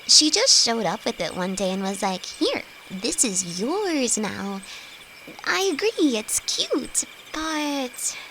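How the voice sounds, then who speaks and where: A woman's voice: on the high side, fairly bright tone, a little hiss or hum, full character voice, rough recording. A woman playing a timid young apprentice alchemist in an intimate audio roleplay, with nervous, hesitant, stammering delivery and frequent sighs. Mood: sheepish. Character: timid young female apprentice alchemist, easily frightened, sweet best friend. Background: crickets and night forest sounds.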